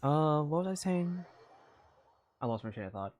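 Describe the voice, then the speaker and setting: A man's voice: on the high side, very animated, moderate pace, a little mellow. A man chatting casually on a gaming live stream, rambling and thinking aloud in a distracted way. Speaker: game streamer. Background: video game music.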